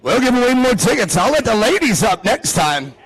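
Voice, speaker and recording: Man, high-pitched, race track announcer, outdoor event, joking hype. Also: fairly quick, poor audio. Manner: energetic, joking crowd hype.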